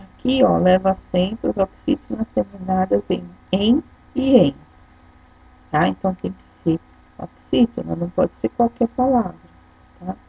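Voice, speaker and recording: A woman's voice: mid-range voice, normal speed, gravelly, slightly rough. A woman teacher with a Brazilian Portuguese accent, patiently explaining a lesson step by step and often checking in with her pupils. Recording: dull lo-fi recording.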